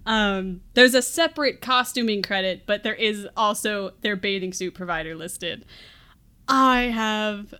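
A woman's voice: medium pitch, a little slow, bright, forceful tone, smooth. A woman hosting a podcast, talking casually about a movie in a chatty, jokey way with frequent laughter. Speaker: podcast host.

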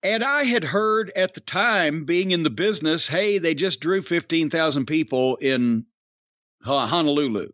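High-voiced man, dry dull sound. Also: a little slow, a bit bright, no room sound. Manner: drawling, storytelling, quizzing his co-host. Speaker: podcast host. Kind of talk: casual wrestling podcast chat.

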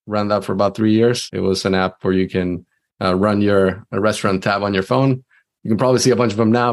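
A man from Venezuela, a sales leader, talking casually as an interview guest with frequent restarts. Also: on the low side.

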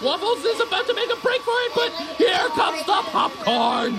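Gerbil pal: woman doing a high, excitable commentator voice, timid. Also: moderate pace. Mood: commentating. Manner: sportscaster-style commentary, nervous. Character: timid, easily bribed male pet gerbil. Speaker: play-by-play commentator.

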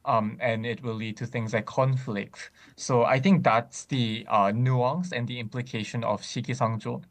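A man in casual discussion, speaking thoughtfully with frequent pauses and restarts. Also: medium pitch, fairly even intonation. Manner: many fillers and restarts, thoughtful.

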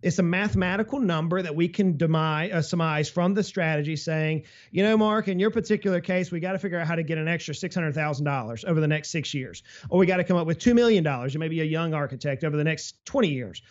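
A man talks with energy and a slightly high pitch. He speaks casually as a financial advisor and keeps using road-trip comparisons to explain things. The recording sounds a bit dull and lo-fi. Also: quick pace, hardly any pauses. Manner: energetic, explains with travel analogies and hypothetical quotes. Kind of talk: casual business podcast talk.

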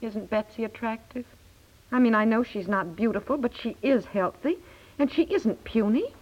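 A woman's voice: on the high side, expressive, normal speed. An actress playing a protective, fretful American wife and mother, earnest and chatty, in a 1950s radio play. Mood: worried. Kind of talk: naturalistic 1950s American radio comedy-drama acting. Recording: muffled 1950s radio recording.

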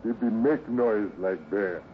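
A man's voice: lowish voice, unhurried, natural voice. A man playing a loyal, protective Indian scout who speaks broken English with a few Spanish words, in a 1950s radio adventure. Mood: calm, reassuring. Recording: muffled, faintly hissy 1950s radio recording.

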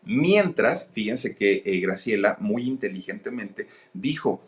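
A man's voice: lowish voice, animated, unhurried. A man telling a gossipy story casually, turning to the listeners with frequent asides. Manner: chatty, addresses listeners directly with asides. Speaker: storytelling host.

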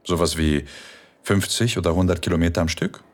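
A man playing a calm, teasing male philosophy professor in an audio drama. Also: low-pitched, fairly quick. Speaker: tutor.

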